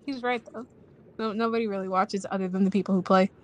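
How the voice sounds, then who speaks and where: A woman's voice: mid-range voice, steady tone, fast, slight background noise. A woman chatting with friends in a tabletop game stream, playful and giggly. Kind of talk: casual chat.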